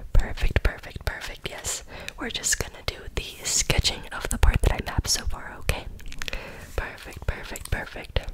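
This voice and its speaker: Soft-spoken whispering comes through over noticeable background noise. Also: woman, moderate pace. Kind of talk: soft-spoken ASMR role-play. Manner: close-mic soft whisper. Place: home room. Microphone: studio mic.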